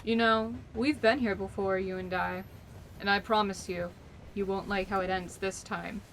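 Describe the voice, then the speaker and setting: A woman's voice: medium pitch, steady tone, normal speed, gravelly, noisy background, lightly acted. An actress playing a tough, wry female spy in an audio drama, loyal and defiant. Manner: wry, hard-boiled, defiant.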